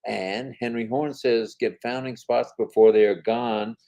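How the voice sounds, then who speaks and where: A man's voice: mid-range voice, fairly even intonation, a little slow, creaky, warm tone. An older man co-hosting a casual live-stream chat, reading viewer comments aloud in an upbeat, chatty way.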